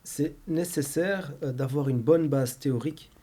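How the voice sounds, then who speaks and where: A man's voice: on the high side, moderate pace, warm tone. A man hosting a podcast, asking polite questions with many filler sounds. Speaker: podcast host. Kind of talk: interview questions.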